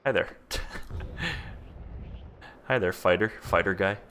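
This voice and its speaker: A man in his twenties giving casual, rambling commentary while he plays a game and chats with viewers, quick to laugh at himself. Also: low-pitched, pushed and bright, a little hiss or hum. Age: 20s. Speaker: streamer. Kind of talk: casual gameplay commentary chatting with chat.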